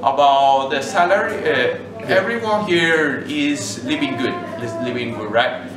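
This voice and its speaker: A man speaks very slowly against noticeable background noise and audible room echo. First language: Spanish. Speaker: YouTuber living abroad. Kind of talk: casual interview. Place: cafe. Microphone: camera far.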